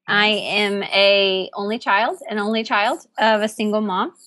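Woman guest in her 30s from Oklahoma, bright voice, laughing casual talk, dry sound. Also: mid-range voice, a little slow, no echo. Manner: lively, laughing, casual slang. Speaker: guest, nonprofit founder. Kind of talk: casual interview chat.

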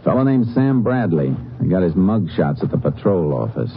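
A methodical Texas Ranger in a 1950s radio western. His voice sits deep and his delivery is terse, firm and businesslike. The recording is old and muffled. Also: sing-song, moderate pace, loud music behind the voice. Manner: clipped, businesslike, understated. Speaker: lead actor and narrator. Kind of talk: 1950s radio western crime drama acting. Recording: dull vintage radio recording.

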